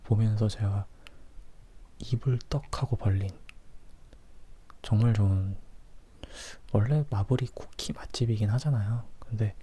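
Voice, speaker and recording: A man whispers a casual ASMR film review in a breathy, hushed voice, as if leaning in close to the listener. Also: fairly low pitch, a little slow, pauses often, a little hiss or hum. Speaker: host of a film review series.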